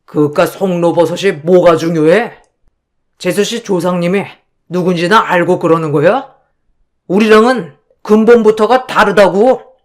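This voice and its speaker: A woman's voice: lowish voice, measured pace, natural voice. Brief: bossy brother-in-law, read by a woman, commanding and pompous, radio story reading. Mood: blustering. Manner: blustering, commanding.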